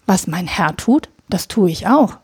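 A woman voicing a calm, formally deferential young male servant in a read-aloud story. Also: lowish voice, unhurried, husky, full character voice.

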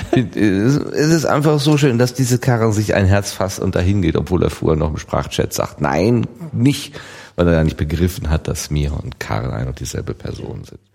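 A man's voice: deep voice, vocal fry, a little mellow. A man hosting a reading podcast in casual chat, enthusiastic, laughing and restarting his sentences. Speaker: podcast host.

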